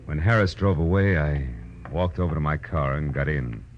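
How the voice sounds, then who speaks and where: An American actor playing a hard-boiled, wry and quietly wistful private detective in a 1940s radio drama, laconic and dry. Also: male voice, a bass voice, normal speed, slight background noise. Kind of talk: 1940s radio detective acting, first-person narration. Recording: muffled vintage radio broadcast, prominent music.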